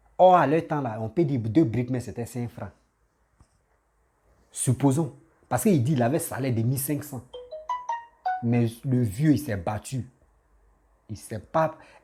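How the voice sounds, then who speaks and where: With music in the background, a man talks fairly slowly at a medium pitch, using ordinary pitch variation and long, frequent pauses. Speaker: YouTuber. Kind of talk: video commentary. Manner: emphatic, preachy.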